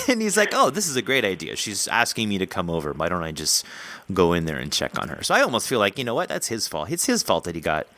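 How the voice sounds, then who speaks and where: A man hosting a podcast interview, chatting casually in an animated, rambling way. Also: deep voice, fast, few pauses, no echo.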